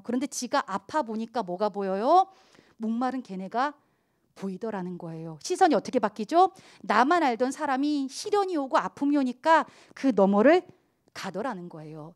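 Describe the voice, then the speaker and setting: Lively high-voiced woman preaching. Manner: animated, acts out quoted voices of children and church members. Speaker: pastor. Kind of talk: youth sermon.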